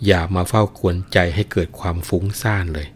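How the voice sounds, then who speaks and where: Man doing a grieving young wife from a folk tale, lamenting, pleading, very deep voice. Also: fairly quick, a little hiss or hum, lightly acted. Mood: scolding.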